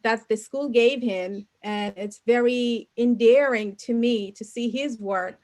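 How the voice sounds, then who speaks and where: Speaking a little slowly in a slightly high voice with a darkish tone, a woman from Bangladesh who is a council candidate and attorney answers interview questions earnestly via video call. She goes through names and groups one by one.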